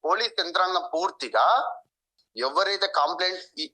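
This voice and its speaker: A man's voice: sits high, animated, normal speed, pushed and bright, low-quality recording. A man with a Telangana Telugu accent giving an interview account as a local activist, insistent and repeating his points.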